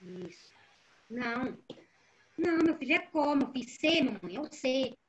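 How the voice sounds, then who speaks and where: A woman's voice: sits high, lively intonation, a little slow, muffled recording. A mother on a video call, coaching her child through class from the side. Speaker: parent helping child.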